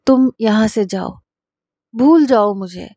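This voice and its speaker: A woman's voice: on the high side, animated, mellow, no room sound, clean studio sound. A woman voicing a frightened young woman doctor who stammers and pleads. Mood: frightened, pleading.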